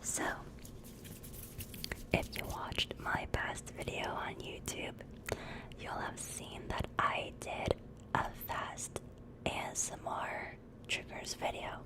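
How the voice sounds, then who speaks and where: A woman hosting casual ASMR, whispering gently to her listeners. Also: slow, long pauses, poor audio. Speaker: ASMR streamer and host. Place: dimly lit room indoors.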